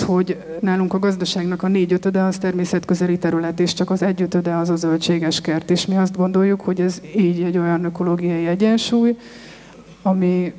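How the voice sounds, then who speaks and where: A woman in her thirties, a farmer on an expo stage panel, answering thoughtfully with handheld mic and frequent hesitations. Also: on the low side. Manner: thoughtful, steady, many hesitations. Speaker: vegetable community farmer, panel guest. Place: large expo stage with sofas. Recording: long hall reverb.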